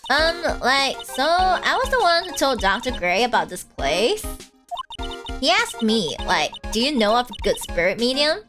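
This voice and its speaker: Woman doing a high-pitched bubbly Valley Girl sorority type. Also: very animated, a little slow, over music. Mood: ditzy, casual. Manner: bubbly airheaded sorority-girl drawl full of "like". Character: bubbly, ditzy young sorority-type college woman, occult student.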